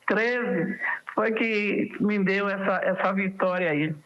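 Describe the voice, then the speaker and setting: A man's voice: sits high, slow pace, low-quality recording. A man in his sixties with a Northeastern Brazilian accent, a former footballer telling stories as a guest and acting out the dialogue. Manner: animated storyteller who acts out quoted dialogue. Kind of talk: casual storytelling interview.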